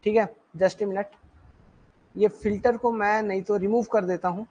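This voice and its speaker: On his own mic, a man runs a live online exam-prep class in a high, darkish voice with a steady, unhurried tone. He keeps repeating points and checking in with listeners, and the recording is muffled with a little hiss or hum.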